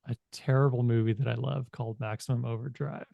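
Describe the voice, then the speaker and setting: A man speaking in a halting, informal way as he narrates a tabletop game as game master. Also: mid-range voice, steady tone, gravelly, warm tone, no echo, muffled recording.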